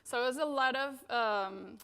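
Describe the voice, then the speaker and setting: Woman, 30s, design speaker at a conference; relaxed and rambling, bright pitch, clean smooth tone. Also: a little slow. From Venezuela. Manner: casual, many fillers, frequent "you know" and "like". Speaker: graphic designer giving a talk. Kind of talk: conference talk.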